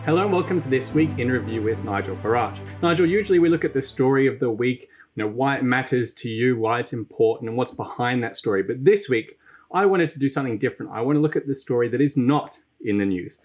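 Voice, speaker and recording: A man with a mid-pitched voice works as a show host. He speaks in an orderly, presenter-like way, setting up questions for his guests. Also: animated, fast, soft background music.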